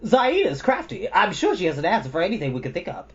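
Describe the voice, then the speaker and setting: A man's voice: sits high, wildly swooping pitch, fast talker, dull audio, a little hiss or hum, voice pushed up, exaggerated voice. A man voicing an angry, fearsome troll with an agitated, blunt way of talking.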